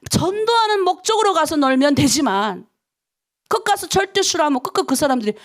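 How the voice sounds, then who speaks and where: Lively high-voiced woman pastor preaching. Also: a little fast. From North Korea. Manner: lively, emphatic, talks to the congregation with rhetorical questions. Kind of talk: dawn prayer sermon.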